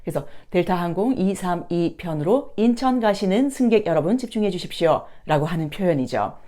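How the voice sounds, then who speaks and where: A woman's voice: on the low side, expressive, a little fast, warm tone. A woman giving an instructional lesson as a teacher and host, politely explaining and carefully pronouncing example phrases. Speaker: English teacher and video host.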